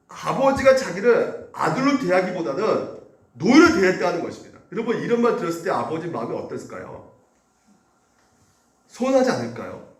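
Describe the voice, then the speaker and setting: A male pastor with a high, lively voice preaches a sermon, swinging his pitch widely as he acts out angry voices. He sounds set back from the microphone in an echoey church sanctuary. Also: recorded from a distance. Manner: animated preaching, acting out angry quoted speech.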